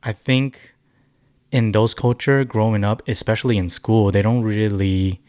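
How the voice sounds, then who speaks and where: A young man in his twenties, raised in China and Taiwan, answering questions as a podcast guest in a thoughtful, halting way with many restarts. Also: fairly low pitch, fairly even intonation, darkish tone, clear, resonant tone, dry recording, studio quality. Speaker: musician guest. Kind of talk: casual podcast interview.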